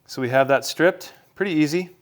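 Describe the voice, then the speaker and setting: A man's voice: fairly high pitch, brisk. An American man talking casually to viewers as a vlogger, in an unboxing and how-to style. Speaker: vlogger reviewing a product.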